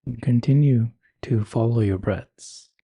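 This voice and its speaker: Male meditation guide, slightly low pitch, very slow pacing, husky, dark mellow tone, gentle instruction. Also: dry recording. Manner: soothing, measured, gentle instruction.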